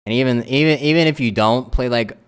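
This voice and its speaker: A man's voice: mid-range voice, fairly quick, clean tone. A man streaming a casual live reaction, talking in a rambling way with lots of restarts and fillers.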